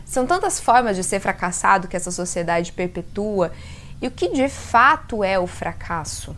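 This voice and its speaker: A woman in her thirties from the interior of São Paulo state, with its inland accent, talking to her viewers in a casual, expressive vlog. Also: mid-range voice, moderate pace, a little hiss or hum. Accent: interior São Paulo (caipira r). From interior of São Paulo state, Brazil. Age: 30s. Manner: conversational and expressive, often addresses viewers directly. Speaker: self-leadership content creator. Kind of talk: casual reflective vlog to camera.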